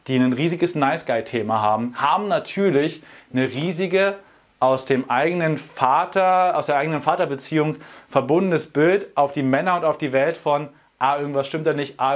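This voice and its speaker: A man who runs men's workshops, talking straight to camera in an energetic, persuasive, colloquial way. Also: fairly high pitch, moderate pace. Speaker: workshop organizer. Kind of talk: direct-to-camera promotional talk.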